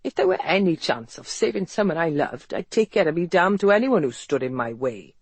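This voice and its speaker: A narrator voicing a dry, amused Welsh businessman with a Welsh accent, speaking low and frankly. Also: sing-song, brisk, husky, no room sound, full character voice.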